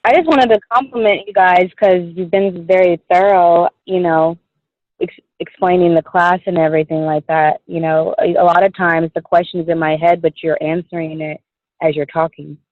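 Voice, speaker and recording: A woman on a group call, complimenting the hosts in a warm way. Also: fairly low pitch, fairly even intonation, moderate pace, no room sound. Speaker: course participant. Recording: tinny dry phone line.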